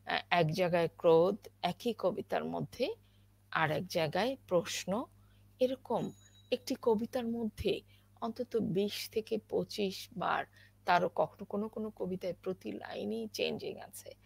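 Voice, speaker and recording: A woman giving a spoken lesson on poetry recitation, explaining slowly with many pauses and fillers. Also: mid-range voice, gravelly, darkish tone, slightly rough, dry recording. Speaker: recitation teacher.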